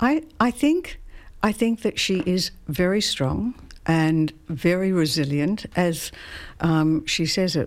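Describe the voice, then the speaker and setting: In a very clean recording with a silent background, a woman with an Australian accent talks very slowly with lively intonation. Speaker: novelist. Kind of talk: interview. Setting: studio.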